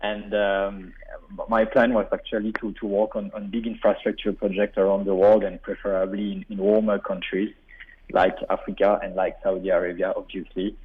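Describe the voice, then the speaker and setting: A man's voice: fairly low pitch, level tone, normal speed, breathy edge. A man in his forties with a French-speaking Belgian accent, born in Burundi and a native French speaker, chatting as a radio guest and often repeating words while he searches for them. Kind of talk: radio interview. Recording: phone line.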